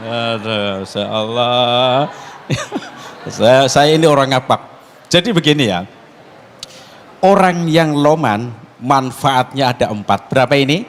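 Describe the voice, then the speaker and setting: A man's voice: mid-range voice, takes it slowly, pauses often. A male Muslim preacher with a Tegal Javanese accent giving a jokey, interactive sermon, quizzing his listeners as he goes. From Tegal, Central Java, Indonesia. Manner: jokey, quizzes listeners with call-and-response questions. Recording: long hall reverb.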